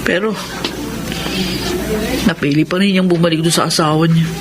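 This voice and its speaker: A woman's voice: low-pitched, fairly even intonation, moderate pace, music in the background, close to an everyday voice. A Filipino woman acting a middle-aged, heartbroken and regretful lesbian mother in a radio drama, speaking plaintively and earnestly. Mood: hurt. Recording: noisy radio drama recording.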